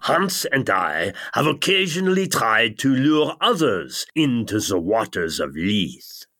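Pompous, bright-voiced intellectual played by a man, speaking slowly. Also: medium pitch, very animated, heavily acted. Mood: lofty disdain. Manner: pompous, scornful, wordy. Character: pompous European intellectual Jacques, disdainful radical critic. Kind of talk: scripted mock-retrospective narration.

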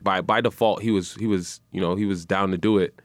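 Here a guest musician and radio personality, young and deep-voiced, chats in a studio at a fairly quick clip without any echo. The interview is casual, and his laid-back manner shows in frequent uses of "man" and "you know."

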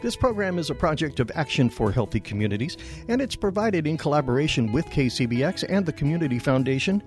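Lively male radio announcer over guitar. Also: a little high. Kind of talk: scripted program introduction.

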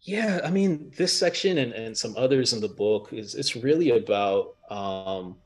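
A Jamaican American man, an author, talking haltingly with many fillers and laughs, and reading from his book. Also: mid-range voice, animated, darkish tone. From United States, of Jamaican family.

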